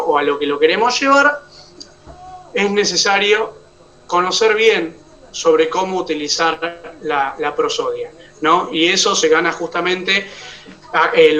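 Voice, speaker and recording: An Argentine-accented man teaches oratory in an online class lecture, explaining step by step and making sure his students understand. His voice is a little high, pushed, and bright, recorded from afar on lo-fi equipment.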